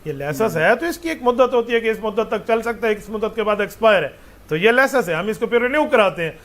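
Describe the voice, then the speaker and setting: A man's voice: sits high, animated, quick pace, a bit bright. A man, a mufti answering religious questions with patient explanations and rhetorical questions.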